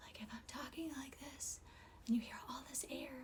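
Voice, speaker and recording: A woman's high, breathy put-on character voice at a moderate pace, over noticeable background noise. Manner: demonstrating a voice disorder.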